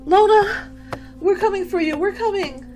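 Woman acting a frantic, shrill young woman. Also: over music. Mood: panicked. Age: young adult. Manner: frantic, gasping, halting and repetitive. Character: hysterical young college woman seeking help for her friend. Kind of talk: amateur radio horror acting. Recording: noisy home-recorded radio drama.

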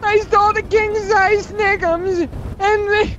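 A man's voice: very high voice, level tone, slow, crowd noise. A man voicing a whiny, pleading old criminal in a game roleplay, over a dull voice chat. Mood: tearful confession.

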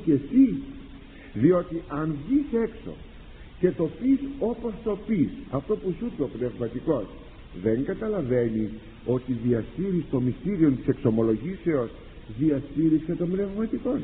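Lively man preaching in an echoing hall. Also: fairly high pitch, slight background noise. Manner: animated, rhetorical questions and acted-out dialogues. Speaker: priest and confessor. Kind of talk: sermon. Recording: tinny lo-fi archive recording in a reverberant hall.

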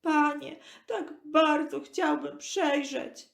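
Blind beggar man played by a woman, children's Bible tale: raised high pitch, slow pleading cries, echoey room. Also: steady tone, gravelly, full character voice. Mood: hopeful pleading. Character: blind male beggar, pleading, desperate, full of hope. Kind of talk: children's Bible audio story.

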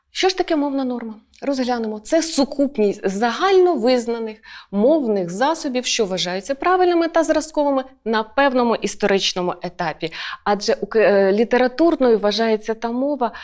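A woman's voice: medium pitch, a little mellow. A woman teaching an online school lesson, explaining step by step with frequent hesitation fillers.

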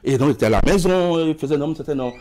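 A man's voice: a little high, animated, rapid-fire, a little mellow. A middle-aged man with a West African French accent, a guest in a TV studio interview, who gestures widely and stumbles over repeated words. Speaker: studio guest, emigration expert. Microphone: lapel mic.

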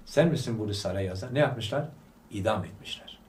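A man's voice: fairly low pitch, lively intonation, fairly quick, distant mic, a little hiss or hum. A man giving a religious study talk to a gathering. He speaks fervently, fires rhetorical questions and prompts his listeners to answer aloud. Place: study hall of a religious school. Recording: echoey room, voice picked up from afar.

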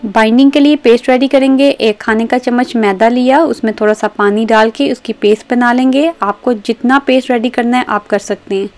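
A woman's voice: on the high side, steady tone, a little fast, darkish tone. A woman hosting a recipe video in voice-over, explaining step by step and addressing viewers directly. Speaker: cooking show host.

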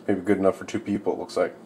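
A young man casually demonstrating camp cooking outdoors at night, talking in a relaxed, rambling way full of fillers, recorded on a camera held close. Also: sits low, fast, slight background noise.

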